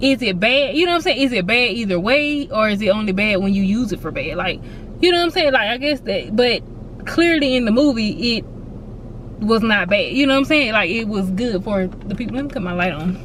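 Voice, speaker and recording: Against noticeable background noise, a woman with a Southern US accent talks fairly quickly in a fairly high voice with lively intonation. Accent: country Southern. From rural US South. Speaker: movie reviewer vlogger. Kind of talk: casual review vlog. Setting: filming herself on camera, indoors at dusk. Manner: trying to speak clearly on camera; conversational, animated.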